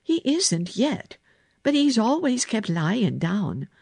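A woman's voice: a little high, big pitch swings, slow, creaky, darkish tone, slightly rough, no echo, clean studio sound, pitched above the performer's own voice, full character voice. A woman voicing an earnest, bold ten-year-old girl with an eager, direct manner, in a storybook reading. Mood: frank, bold. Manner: eager, direct, sometimes anxious.

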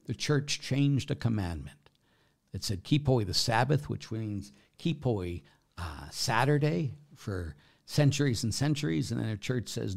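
A man with a fairly low voice and a clear gravelly creak speaks as a Catholic priest. He answers questions and teaches about faith informally. His delivery is conversational and emphatic, punctuated by short check-ins with his listeners. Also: darkish tone. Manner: conversational and emphatic, often checking with "okay?" and "right?".

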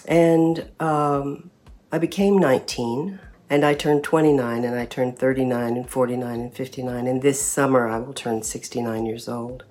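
A woman's voice: very deep voice, steady tone, normal speed, a little mellow. A woman in her late sixties sharing her story in a reflective testimonial. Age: 60s. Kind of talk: testimonial interview.

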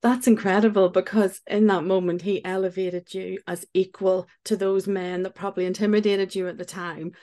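A woman's voice: medium pitch, flat delivery, moderate pace, few pauses, dark tone. A woman hosting a podcast, affirming her guest in casual conversation and often restarting her sentences. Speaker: podcast host. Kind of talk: casual interview chat.

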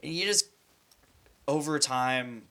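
A man's voice: medium pitch, slow, bright, forceful tone. A man in his late twenties hosting a podcast, rambling and playful in casual chat. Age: late 20s. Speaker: podcast host.

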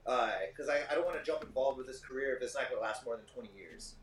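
A man's voice: medium pitch, fast talker, fairly bright tone, recorded from a distance, a little hiss or hum. A man in his thirties from Michigan, a shop owner guest telling long, rambling stories in a casual podcast chat. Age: 30s. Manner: talkative, rambling storyteller. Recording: roomy, off-mic.

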